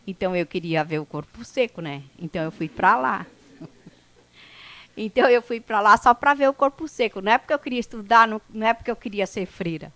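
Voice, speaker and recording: A woman from the São Paulo coast, a native speaker of a Brazilian indigenous language, recounts her life to an audience. She talks at a relaxed pace, often pausing to check in with a questioning "né?". Her voice sits at an ordinary middle pitch and is captured dry and close. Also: no room sound. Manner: unhurried, conversational, with frequent "né?" tags and restarts. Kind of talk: personal life story told to an audience.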